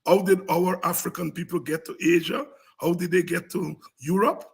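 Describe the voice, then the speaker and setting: A Guyanese man with a very husky, gravelly voice, pitched strikingly high for a man. He lectures informally and combatively, repeating points for emphasis like a programme host driving a lesson home. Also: steady tone, moderate pace. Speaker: host of a politics and history talk programme. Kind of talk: impassioned informal history lecture to an audience.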